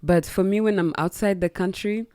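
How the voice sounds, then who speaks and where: A woman's voice: medium pitch, fairly even intonation, normal speed, mellow, dry recording. A young woman with a Rwandan accent, chatting reflectively as a musician guest in a radio interview, searching for her words at a close studio mic. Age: young adult. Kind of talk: radio interview, casual chat. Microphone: close studio boom mic.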